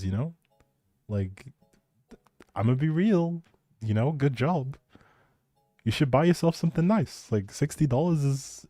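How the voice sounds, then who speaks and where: Laid back guy streaming games, soft mellow voice, super dry audio, chatting casually w viewers. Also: medium pitch, no room sound. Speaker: live game streamer. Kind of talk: casual livestream chat with viewers.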